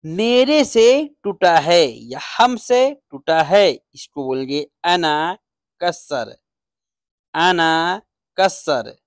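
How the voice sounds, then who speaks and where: A man's voice: fairly high pitch, dry recording, clean studio sound. A man teaching beginner Arabic phrases, repeating each word and explaining what it means. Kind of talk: beginner language lesson.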